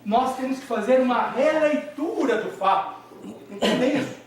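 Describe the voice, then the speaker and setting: A man giving a religious lecture, animated, constantly questioning the audience in a hall. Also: very high voice, normal speed, slight background noise. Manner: animated, keeps quizzing the audience. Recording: echoey hall, speaker far from mic.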